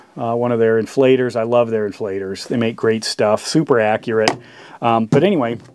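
A man talks at a fairly quick pace with fairly even intonation over noticeable background noise. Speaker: hobbyist product reviewer. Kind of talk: product review tutorial. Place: workshop.

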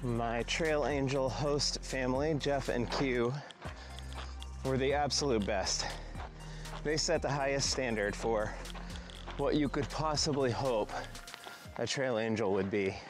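Over clear music in the background, a man talks at a fairly slow pace with long, frequent pauses and ordinary pitch variation, the sound dry with no echo. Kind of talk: casual vlog chat. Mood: grateful, upbeat. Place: open country. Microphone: phone near.

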